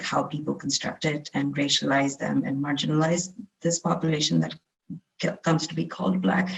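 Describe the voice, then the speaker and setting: A young woman from India, speaking as a guest lecturer, gives a webinar over a video call. Her voice is low and gravelly, the audio is poor, and she talks conversationally with lots of fillers and restarts.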